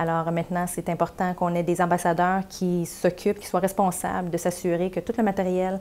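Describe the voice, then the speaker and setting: Over a very clean recording with a silent background, a woman with a fairly low pitch speaks in a monotone, flat intonation at a moderate pace with hardly any pauses. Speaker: aerospace training coordinator. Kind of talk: interview testimony. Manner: hesitant, many fillers.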